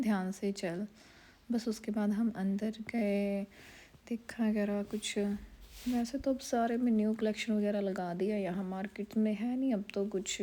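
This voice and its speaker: A woman's voice: mid-range voice, warm tone. A woman in her thirties, a mother casually narrating her family's day and teasing her kids, recorded on a phone. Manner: chatty, scolding and teasing about her kids. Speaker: vlogger and mother.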